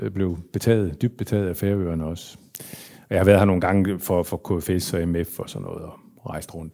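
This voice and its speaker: The voice has a dark, mellow tone and fairly even intonation, moving at a moderate pace. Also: man. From Denmark. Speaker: pastor. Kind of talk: Bible lecture.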